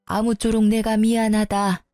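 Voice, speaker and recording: An elderly mother-in-law, doting and repentant, speaks in a storybook tale as a woman reader plays her. Her voice is mellow and warm. The recording is dry, with faint music beneath. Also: on the high side, flat delivery, moderate pace, dry recording, natural voice. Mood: apologetic. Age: older. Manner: cooing, fond, apologetic.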